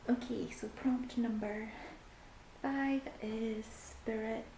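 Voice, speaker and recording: A woman's voice: a little high, steady tone, slow pace, over loud music. A young woman with a Scottish accent, chatting casually in a reading vlog from home, full of ums and sometimes dropping to near-whispers. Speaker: book vlogger. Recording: echoey room with faint background hiss.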